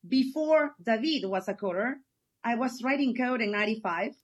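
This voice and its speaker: Enthusiastic woman from Ecuador, fairly high voice. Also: expressive, normal speed. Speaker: guest. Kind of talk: casual conversational interview.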